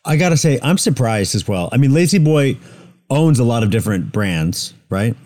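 A man's voice: mid-range voice, expressive, moderate pace, darkish tone. A man co-hosting a business show, bantering lightly and easygoing, with small stumbles. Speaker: co-host.

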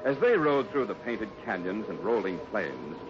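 A man's voice: fairly low pitch, very animated, normal speed, noisy background. A man narrating a scripted adventure story in the style of 1950s radio. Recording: muffled 1950s radio recording with music.

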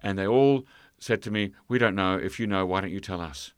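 A man telling a travel story in an interview, halting, full of fillers and restarts. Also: low-pitched, clean tone, dry recording, clean studio sound. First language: English. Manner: hesitant, many fillers and restarts. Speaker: guest. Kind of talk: conversational storytelling.

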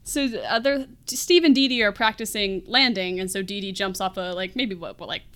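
A woman's voice: medium pitch, fairly quick, a bit bright. A woman podcast host casually recapping a movie in an amused, wryly sarcastic, giggly way.

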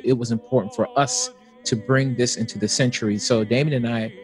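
A man, an opera tenor, giving thoughtful, earnest interview answers. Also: medium pitch.

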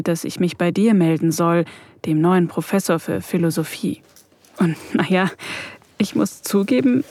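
Actor: young researcher, first-person inner voice, middle pitch, intimate and observant, dry close mic. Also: darkish tone, no room sound.

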